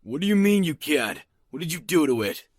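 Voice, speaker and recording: A man playing a gruff, suspicious rural rifleman in an audio drama, folksy and threatening, easily rattled. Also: a little high, very animated, brisk, a little mellow, dry recording, clean studio sound. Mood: impatient, threatening. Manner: folksy, threatening, barking orders.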